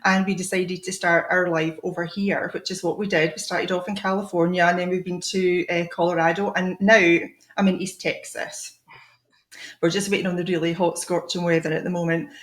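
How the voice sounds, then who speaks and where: A middle-aged Scottish woman, a guest in an interview, talking reflectively with many pauses and restarts. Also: fairly low pitch, flat delivery, roomy sound. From Scotland. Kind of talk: conversational interview.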